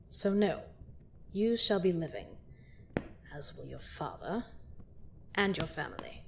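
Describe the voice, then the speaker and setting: A woman playing a vengeful, imperious vampire queen in a fantasy audio drama, speaking deliberately and with menace, often dropping into hushed, breathy asides. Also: on the low side, expressive, a little hiss or hum, heavily acted. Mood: brooding, menacing. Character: vengeful vampire queen, imperious conqueror gloating over a captive prince.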